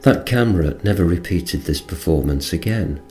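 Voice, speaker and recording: Very low male voice, mellow, scripted narration, faint music. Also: lively intonation, moderate pace. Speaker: reader of a first-person account. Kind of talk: scripted audiobook-style narration.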